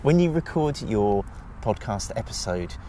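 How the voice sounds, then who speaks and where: Man, lowish voice, podcast host asking probing questions, traffic audible behind. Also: very animated, a little slow. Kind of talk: interviewing.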